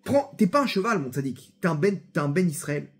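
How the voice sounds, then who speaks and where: Animated high-voiced man preaching. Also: fairly quick, husky. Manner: animated, storytelling, addresses listeners directly. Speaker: rabbi teacher. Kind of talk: sermon-style Torah class.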